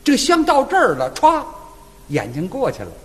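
A man performing a crosstalk comedy routine as the lead teller, talking in a lively storytelling way. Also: very high voice, normal speed. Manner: lively storytelling with mimicked opera wails. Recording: reverberant stage hall.

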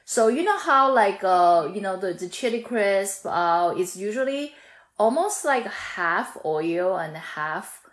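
A woman in her thirties from Chongqing speaks English with a Chinese accent, eager and chatty as a guest in an interview. Her talk is full of fillers and quick restarts. The recording is roomy, with noticeable echo. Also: mid-range voice. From Chongqing, China. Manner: lively, frequent fillers and restarts. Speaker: sauce brand founder, guest. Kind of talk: casual interview conversation.

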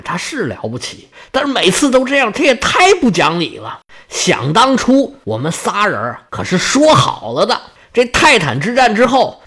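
A blustering old sea god, voiced by a male storyteller, complains loudly about being wronged and then talks big and defiant. His voice sits high and swings up and down a lot. It sounds like a comic storybook telling. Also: heavily acted. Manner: indignant, grumbling, boastful.

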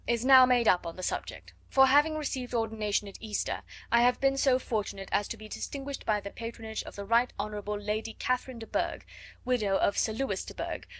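A woman's voice: fairly high pitch, a bit bright, dry recording, natural voice. A woman voicing a pompous young clergyman who speaks in a formal, long-winded manner in an audiobook. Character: pompous young clergyman, wordy letter writer. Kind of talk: audiobook character voice.

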